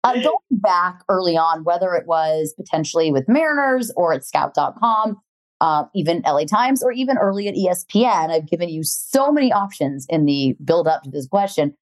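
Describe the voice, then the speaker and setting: Lower-voiced woman podcast host. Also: lively intonation, normal speed, no echo. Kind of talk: casual interview chat.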